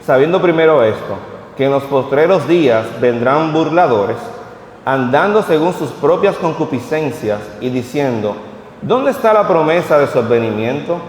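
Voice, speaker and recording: A man's voice: fairly high pitch, lively intonation, normal speed, a little hiss or hum. A man, reading scripture aloud at a church vigil and then speaking plainly to the congregation. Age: 30s. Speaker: preacher. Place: church hall at a vigil service. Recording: echoey hall with long reverb.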